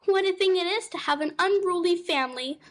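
A woman voicing a tearful, fussy mother cat in a storybook reading, her voice pitched up high and wailing. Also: fairly quick. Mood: distressed.

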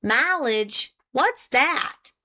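A thin, shrewish old farm wife, played by a woman, frugal and quick to needle. Her voice sits high and sharp, with a nagging rural drawl that leaps up and down. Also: expressive, heavily acted.

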